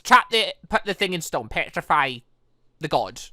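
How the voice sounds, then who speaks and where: A let's player giving excited, rambling commentary on a game while reading its dialogue aloud. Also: medium pitch, normal speed, dry recording, studio quality. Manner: rambling, animated, exclaiming.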